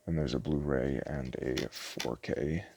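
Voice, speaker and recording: A man doing a casual, improvised ASMR shopkeeper roleplay, soft-spoken and hesitant, rambling in a self-deprecating way. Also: a bass voice, takes it slowly, gravelly, slightly rough. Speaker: ASMR roleplayer playing a small DVD shop owner.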